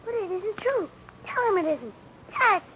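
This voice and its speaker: An actor playing an earnest, excitable young cowboy boy, pleading urgently in an old-time radio western. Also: very high-pitched, a little slow, heavily acted. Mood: desperate pleading. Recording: dull old radio recording, noisy crowd behind.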